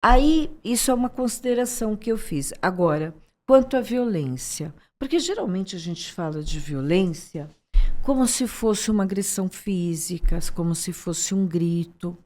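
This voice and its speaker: A Brazilian woman hosting a podcast, talking thoughtfully and pausing to find words. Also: mid-range voice, lively intonation, a little mellow. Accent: Brazilian Portuguese. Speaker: podcast host. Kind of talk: conversational interview.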